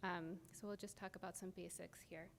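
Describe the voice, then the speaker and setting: A soft-spoken woman giving an academic lecture, explaining step by step with frequent ums. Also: lowish voice, fairly even intonation, brisk, vocal fry. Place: lecture hall. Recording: reverberant lecture hall, faint noise.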